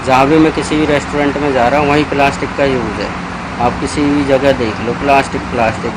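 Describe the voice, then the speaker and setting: A man's voice: medium pitch, fairly even intonation, fast. A man explaining informally as a business owner in an outdoor interview. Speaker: restaurant owner. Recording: loud roadway noise outdoors.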